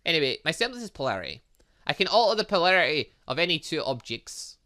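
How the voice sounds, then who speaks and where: A man's voice: fairly high pitch, sing-song, fast talker, sharp tone. A man voicing a modest, earnest young woman warrior, reading visual novel game dialogue in an explanatory manner. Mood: modest, matter-of-fact.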